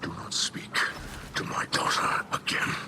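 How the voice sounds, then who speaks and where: A man voicing a stern, guarded alien warlord father with a growling, gravelly voice and menacing delivery in a video game. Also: measured pace, background noise, close to an everyday voice. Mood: threatening. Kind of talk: video game cutscene acting. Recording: loud music behind.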